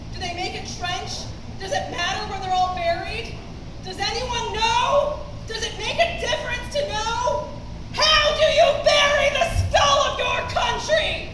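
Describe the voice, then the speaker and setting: The speaker talks at a fairly slow pace. Noticeable background noise runs beneath the voice. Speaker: spoken word performer. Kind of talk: spoken word performance. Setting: live performance in a gallery.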